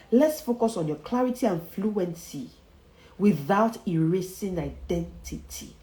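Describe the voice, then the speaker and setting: A woman's voice: medium pitch, darkish tone. A woman, a speech coach teaching viewers emphatically, repeating her key phrases and often chuckling. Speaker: public speaking coach. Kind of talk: motivational livestream teaching. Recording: roomy echo.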